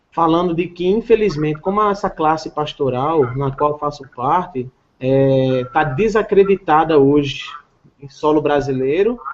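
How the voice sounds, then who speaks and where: A man with a northeastern Brazilian accent talks at a moderate pace. His fairly high voice has lively intonation. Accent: Brazilian Northeast accent, proud of it. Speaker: pastor and theology teacher. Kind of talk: casual chat. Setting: live video call.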